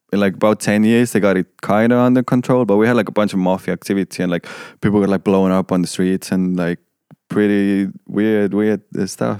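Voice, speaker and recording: With an Estonian accent, a man speaks at a fairly low pitch and a moderate pace. His intonation is fairly even, and the sound is dry and close with no echo. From Estonia (Tallinn). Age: 30s. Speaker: painter. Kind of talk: interview. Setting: artist's studio. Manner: halting, with many fillers.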